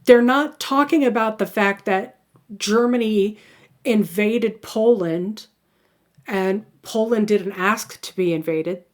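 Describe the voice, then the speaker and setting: A woman's voice: mid-range voice, takes it slowly. A woman teaching a recorded history lecture in a conversational way, with many fillers and restarts, repeating key points for her students. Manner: plays out the isolationist view in first person.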